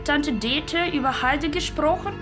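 A woman retelling a story in a halting, spoken way. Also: high voice, loud music behind the voice. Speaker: participant retelling a film story.

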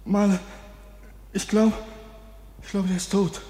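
An actor playing a terrified servant lad of a village inn in a radio play. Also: male voice, high-pitched, little pitch movement, takes it slowly, dark tone. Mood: horrified. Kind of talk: German radio play acting. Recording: long echo, as in a cellar.

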